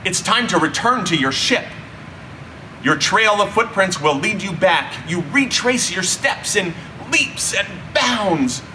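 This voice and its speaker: A man narrating a children's story expressively, with dramatic, drawn-out emphasis and deliberate pauses. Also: sits high, lively intonation, bright, forceful tone. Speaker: storyteller reading a children's book. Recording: distant mic, faint background hum.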